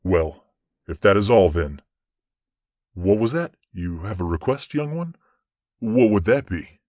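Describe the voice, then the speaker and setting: A man playing a stern but fair angel judge in an audio drama, speaking in a measured, commanding, formal way. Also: on the low side, animated, darkish tone, dry recording, studio quality. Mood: curious, gracious.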